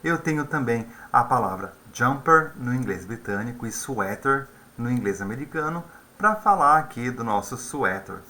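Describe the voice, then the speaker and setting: A man's voice: medium pitch, animated, normal speed, hardly any pauses, pushed and bright. A man teaching an English lesson in a conversational way, often tagging his sentences with questions. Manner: conversational, with frequent tag questions. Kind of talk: video lesson explaining vocabulary.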